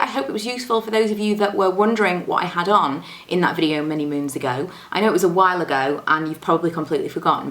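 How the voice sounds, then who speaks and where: A young woman doing a chatty, self-deprecating makeup tutorial at home, her voice a little low from a coming cold, speaking close to the camera. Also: a bit bright, echoey room. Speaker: beauty vlogger. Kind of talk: casual makeup tutorial chat. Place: room at home, indoors. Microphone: camera close to the face.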